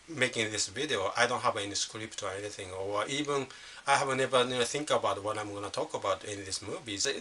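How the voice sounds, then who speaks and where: Halting middle-aged Japanese man, bright edge. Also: on the low side, a little hiss or hum. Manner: halting, leans on constant "you know" fillers and restarts. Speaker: vlogger. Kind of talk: unscripted casual monologue.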